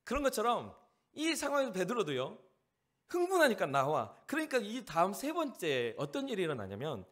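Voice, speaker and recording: A man from Jeolla, South Korea, preaching as a pastor at a youth service, animated and acting out the people he describes. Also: sits high, normal speed. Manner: animated, acts out the lines of the people in the story.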